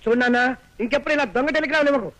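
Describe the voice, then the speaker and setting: An actor playing a joking young student who teases his friend in rapid banter, on an old film soundtrack with music behind. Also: very high voice, fairly bright tone. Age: young adult.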